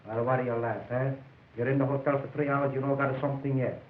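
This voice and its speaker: A wisecracking hustler, early talkie film. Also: male voice, mid-range voice, steady tone, fast talker. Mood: brash. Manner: wisecracking, pushy, broken English. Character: brash broken-English male hotel hustler. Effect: early talkie film soundtrack. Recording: tinny, echoey early sound film with hiss.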